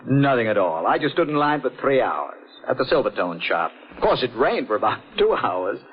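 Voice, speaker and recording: Expressive husband in vintage radio mystery. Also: male voice, medium pitch, moderate pace, breathy edge. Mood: playful, affectionate. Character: mild husband narrating his own unraveling, brooding and haunted. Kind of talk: old-time radio mystery acting. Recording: muffled old radio broadcast with music.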